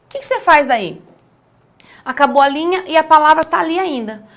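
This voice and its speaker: A woman with a high, animated, slightly bright voice and a Brazilian Portuguese accent leads a lesson on essay writing. Key words get drawn out slowly, and she checks in with the listener again and again.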